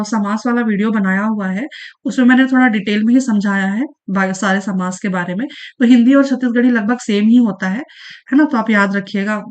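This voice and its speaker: A woman walks students through exam questions in a relaxed, repetitive way. She keeps coming back to fillers and reminders to remember each answer. Her voice sits a little high. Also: muffled recording. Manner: repeats points, frequent fillers and "ठीक है, याद रखिएगा". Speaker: exam prep teacher. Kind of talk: casual explanatory lesson.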